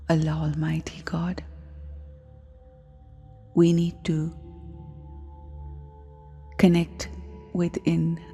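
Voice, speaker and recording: A woman with a South Asian accent leads a guided meditation in a measured, hushed way, phrases trailing into a breathy near-whisper. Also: sits low. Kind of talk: slow, soft Islamic guided meditation. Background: music bed.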